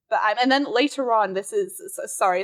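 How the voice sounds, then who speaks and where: An animated, fairly quick voice in a British accent with ordinary pitch variation. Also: woman. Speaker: podcast guest discussing a book. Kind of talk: casual discussion.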